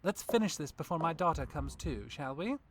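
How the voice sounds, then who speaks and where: A woman's voice: sits low, expressive, a little fast, noisy background. A woman playing a gloating, cruel vampire villain in an audio drama, with a menacing, theatrical delivery. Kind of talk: scripted audio drama acting.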